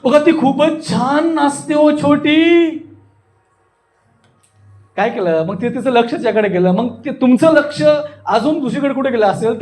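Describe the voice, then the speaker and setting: A man's voice: very high-pitched, darkish tone. A man with a Maharashtrian accent teaching voice modulation in an interactive lesson, expressively stressing and drawing out words and often putting questions to learners. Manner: questioning, checks that learners follow. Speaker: voice modulation and public speaking coach, anchor. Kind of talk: interactive lesson with spoken demonstrations.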